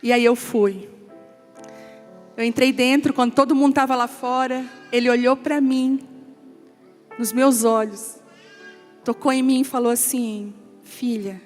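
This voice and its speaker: A woman pastor giving an emotional testimony sermon, telling a family story and quoting relatives in a softer voice. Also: sits high, steady tone, measured pace, long pauses. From Brazil. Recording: long hall reverb with soft music.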